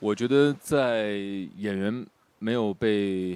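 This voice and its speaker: A man with an unremarkable speaking voice, fairly low pitch and ordinary pitch variation. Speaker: actor. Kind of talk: interview answer.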